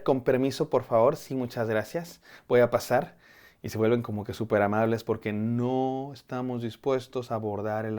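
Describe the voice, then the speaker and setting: A man's voice: mid-range voice, darkish tone. A middle-aged man preaching a devotional sermon to a camera, earnest and conversational, often restarting and repeating his words. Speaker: pastor. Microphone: camera framing, speaking to camera.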